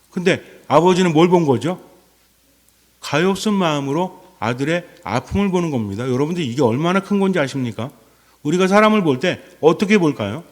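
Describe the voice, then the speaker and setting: Male Catholic priest, sermon; poses questions, answers them himself; slightly high voice, long hall reverb.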